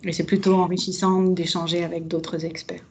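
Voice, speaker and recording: Woman, low gravelly voice, flat delivery, steady webinar panelist. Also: moderate pace, slight background noise. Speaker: expert evaluator panelist. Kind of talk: webinar discussion.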